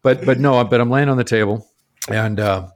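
A man's voice: mid-range voice, normal speed. A man co-hosting a casual comedy podcast, telling joking anecdotes. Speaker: podcast co-host.

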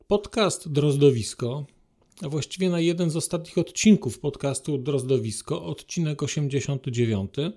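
Slow-talking, higher-pitched male podcast host. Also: a little mellow. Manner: formal, polite address. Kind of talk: spoken podcast monologue addressed to listeners.

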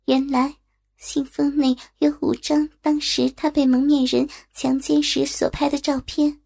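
A woman reading a scripted audio story in a steady, even narrating manner. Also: high-pitched, unhurried, vocal fry.

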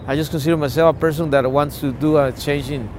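A man from the Mexico-California border region, whose first language is Spanish, speaks haltingly as an activist guest, telling a personal story in conversation with many restarts and repeated words. His voice sits on the high side with fairly even intonation and a darkish tone. There's slight background noise.

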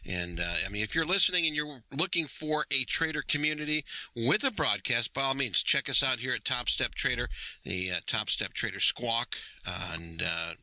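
Very bright, animated male podcast host. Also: mid-range voice, moderate pace, no echo, low-quality recording. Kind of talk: casual interview chat.

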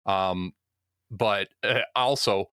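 A man hosting a podcast, speaking in a deliberate, measured way as he leads the group. His voice sits low but has a bright, forceful edge. The sound is dry and close. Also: clean tone, no room sound. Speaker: podcast host. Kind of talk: podcast discussion.

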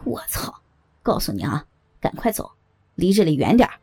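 Scornful low-voiced guard read by a woman, gravelly and dismissive, audiobook. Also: sing-song, normal speed, dark tone, no room sound, soft background music, full character voice. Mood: sneering. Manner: sneering. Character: contemptuous male building security guard.

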